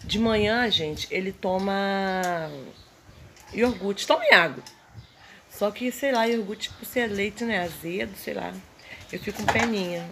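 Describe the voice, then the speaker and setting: A woman chats to her viewers in a casual home vlog, mid-pitched and talkative. It is filmed on a handheld phone, and clear background noise runs under her voice. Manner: chatty, addresses viewers as "gente" often. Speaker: vlogger and mother. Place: family home, indoors. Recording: noisy home phone video.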